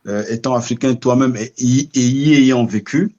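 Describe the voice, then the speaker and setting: A middle-aged man from Cameroon speaks as an interview guest, at an ordinary male pitch. He tells his story slowly and reflectively, weighing his words and often pausing to find the right one. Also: darkish tone, lo-fi sound. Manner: measured, searching for words.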